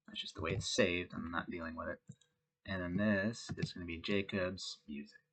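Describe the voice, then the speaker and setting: A man's voice: deep voice, fairly even intonation, normal speed, a bit bright. A congested man recovering from a head cold talks casually through a coding tutorial, thinking aloud as he types. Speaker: web designer. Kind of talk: screen-recorded coding tutorial.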